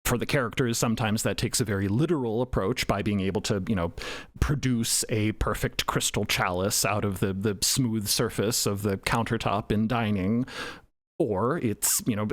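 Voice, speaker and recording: Male guest, mid voice, musing and playful, casual roundtable. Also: fairly low pitch. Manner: reflective, playful, frequent affirming murmurs. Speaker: co-creator of an audio drama, podcast guest.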